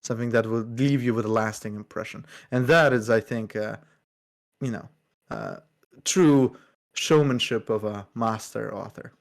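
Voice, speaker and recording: A man co-hosting a podcast, giving a thoughtful, measured review of a story with casual fillers. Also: lowish voice, expressive, creaky. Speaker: podcast co-host. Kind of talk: casual book discussion.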